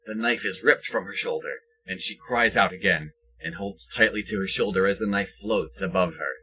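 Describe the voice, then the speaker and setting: Deep, bright, husky male narrator. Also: moderate pace, slight background noise, low-quality recording. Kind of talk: scripted present-tense action narration.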